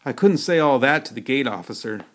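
A man narrating a spoken story in the first person, with measured, vivid storytelling. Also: medium pitch, lively intonation.

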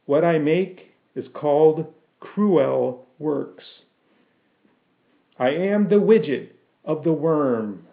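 A man voicing a metal automaton that speaks in slow, measured, singsong riddles, eerie and solemn, as in an audiobook. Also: fairly high pitch, phone-quality sound, pitched above the performer's own voice, full character voice.

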